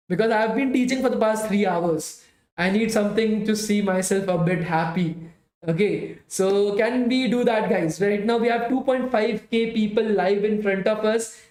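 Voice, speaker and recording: A tired man runs a live bootcamp class, his voice strained after hours of talking. He speaks in a high register, chatty and repetitive, always calling his students "guys". The room around him has a noticeable echo. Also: darkish tone. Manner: chatty, repeats "guys" often, pleads for likes. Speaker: bootcamp instructor. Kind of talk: live-streamed coding class wrap-up.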